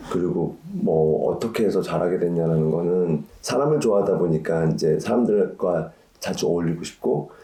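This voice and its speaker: A man's voice at a moderate pace, very even in loudness, with hardly any pauses. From South Korea. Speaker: hedge fund executive, reality show cast member. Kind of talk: interview.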